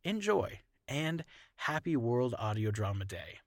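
A man hosting and narrating a podcast, reading scripted material in a measured, clearly enunciated way. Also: mid-range voice, very animated. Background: music.

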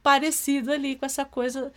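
A woman with a high voice co-hosts a casual podcast about a comic. She explains plot points conversationally and keeps checking in with her partner through tag questions. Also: little pitch movement, fairly quick. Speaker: podcast co-host. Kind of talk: casual book discussion.

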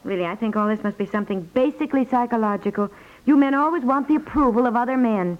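A woman plays a sensible wife who fusses and needles wryly in an old radio comedy. Her chatty voice sits fairly high, with a thin, phone-like vintage sound. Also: quick pace, close to an everyday voice. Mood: wry exasperation. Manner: wry, chatty, naturalistic. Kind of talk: 1950s radio comedy acting. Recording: thin, band-limited 1950s radio recording.

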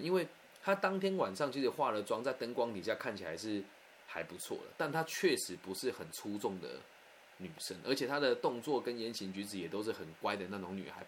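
A man telling a personal anecdote in a candid, animated, conversational way. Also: medium pitch, a little hiss or hum. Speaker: storyteller.

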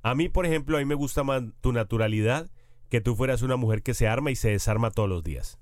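A man's voice: medium pitch, fast, dry recording, clean studio sound. Young man with a cold, joking. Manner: joking, good-natured, defensive. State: has a bad cold. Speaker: podcast co-host. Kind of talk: casual podcast chat.

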